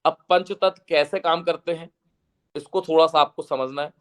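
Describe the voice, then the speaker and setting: Earnest man lecturing with a slightly hoarse voice. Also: on the high side, fairly even intonation. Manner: earnest, preaching, recites verses in a slow chant. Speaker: guest speaker. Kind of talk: devotional lecture to a seated audience.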